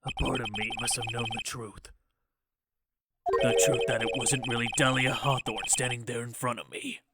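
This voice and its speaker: A man playing a bitter, remorseful former defense attorney in a game fan dub, gravelly and brooding, delivering theatrical confessions. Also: medium pitch, level tone, moderate pace, very noisy, close to an everyday voice. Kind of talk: dramatic visual-novel game fan dub. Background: loud music.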